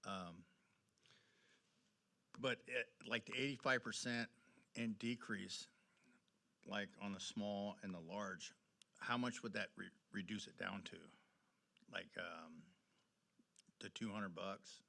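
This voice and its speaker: Male council member, halting and colloquial, with a very low, creaky voice. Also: bright, forceful tone. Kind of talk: informal remarks at a public meeting.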